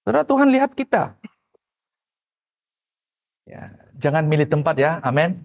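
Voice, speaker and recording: A man preaching, his voice sitting fairly high for a man. He delivers the sermon in animated bursts, dropping to low asides and acting out the people he talks about. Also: unhurried, vocal fry. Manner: animated, swings between loud exclamations and low asides, acts out quoted people. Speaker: pastor.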